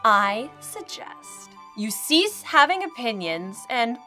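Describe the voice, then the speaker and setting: A woman's voice: fairly high pitch, very animated, slow, sharp tone, faint music behind, full character voice. A woman playing an imperious settlement leader in an audio drama, prim and condescending, politely threatening. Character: imperious, veiled-menacing female leader of a settlement. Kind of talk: comedic audio drama monologue.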